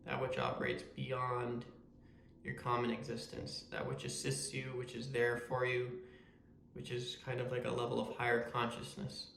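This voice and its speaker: A man leading a guided meditation in a calm, measured, soothing way. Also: mid-range voice, gravelly, echoey room, a little hiss or hum, poor audio. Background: meditation music.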